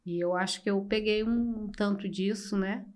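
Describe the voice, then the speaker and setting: An older woman from Brazil, a podcast guest telling her life story slowly and reflectively, with many pauses. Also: mid-range voice, fairly even intonation, darkish tone. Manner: slow, reflective, with frequent pauses and fillers. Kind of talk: personal storytelling in an interview.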